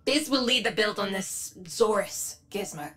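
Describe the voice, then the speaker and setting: A woman's voice: medium pitch, animated, a little slow, fairly bright tone, slight background noise. A woman playing a determined squad leader in a video game, giving briefings in a direct, commanding way. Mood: grim resolve.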